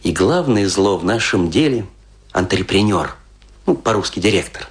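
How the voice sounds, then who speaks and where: Tipsy, grandiose actor, wildly swooping voice. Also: male voice, low-pitched, lively intonation. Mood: boastful, aggrieved. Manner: declamatory, self-pitying, grandiose, with dramatic pauses. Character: boastful, aggrieved, tipsy provincial actor ranting theatrically. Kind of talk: theatrical radio play monologue.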